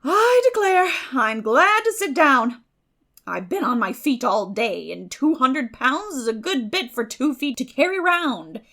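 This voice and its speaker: A woman performs a bustling, stout older village woman from a classic storybook. She is blunt and opinionated, with a folksy, emphatic delivery that swoops high and crackles with creak. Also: big pitch swings, unhurried, a bit bright, exaggerated voice. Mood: blunt, weary. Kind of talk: dramatic audiobook reading of a classic novel.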